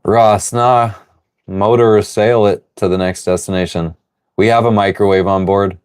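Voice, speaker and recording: A man hosting a casual livestream from his sailboat, reading viewer comments aloud and rambling through relaxed answers. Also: lowish voice, moderate pace, smooth. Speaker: livestream host answering chat. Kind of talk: casual live chat. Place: on board a sailboat.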